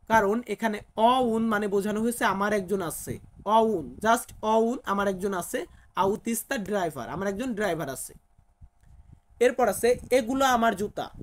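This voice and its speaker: A man teaching a recorded language lesson, patiently repeating each new word slowly and spelling some out. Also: high voice.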